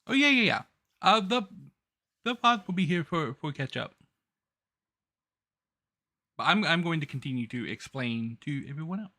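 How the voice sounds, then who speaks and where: A man's voice: fairly high pitch, big pitch swings, normal speed, long pauses, pushed and bright. A man casually commentating on game cutscenes and explaining the lore as host. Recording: faint game music behind speech.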